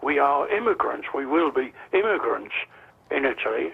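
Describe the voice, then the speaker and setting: Over noticeable background noise, a man with a British accent speaks at a fairly slow pace. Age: 80s+. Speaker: war veteran. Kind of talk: interview answer. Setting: phone line.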